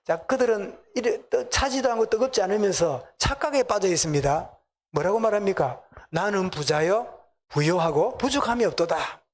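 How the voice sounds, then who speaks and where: Middle-aged pastor w/ a gyeongsang accent, pretty high voice, preaching casual and asking the church questions. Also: male voice, lively intonation, moderate pace. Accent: Gyeongsang Korean. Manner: conversational, asks the congregation questions. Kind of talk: sermon. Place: church sanctuary.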